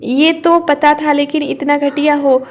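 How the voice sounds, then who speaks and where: A woman's voice: sits high, level tone, measured pace. Furious protective brother, voiced by a woman narrator, scornful and scolding, storybook. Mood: angry. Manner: contemptuous and scolding. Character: angry protective brother, man.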